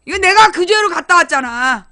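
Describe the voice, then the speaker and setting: A woman with a very high voice talks straight to her live-stream audience, blunt and crude in her wording. Her tone is bright and forceful, and she slips into loud acted-out scenes to make a point. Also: lively intonation, brisk, gravelly. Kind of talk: casual live-stream chat.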